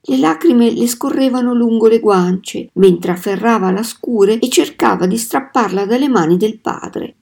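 Woman reading a kids' novel out loud, warm mellow voice, measured and expressive. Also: fairly high pitch, creaky. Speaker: storybook reader. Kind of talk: reading a children's novel aloud.

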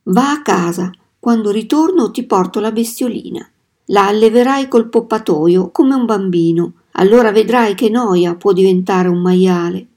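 A patient farmer father from a storybook, calm and kindly yet firm with his daughter, as a woman reader speaks his lines. The voice stays warm and unhurried, without any sharp edge. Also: medium pitch, natural voice. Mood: gentle.

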